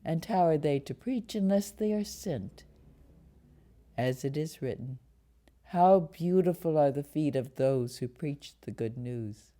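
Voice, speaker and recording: Low-voiced woman reading scripture slowly. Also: expressive, warm tone. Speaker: lay scripture reader.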